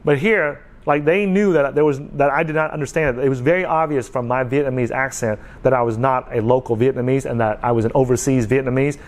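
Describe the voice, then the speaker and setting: This vlogger, an American man in his forties, speaks to camera in a mid-range voice, a little fast and with few pauses. His casual talk is earnest and repetitive, punctuated by check-ins of "okay."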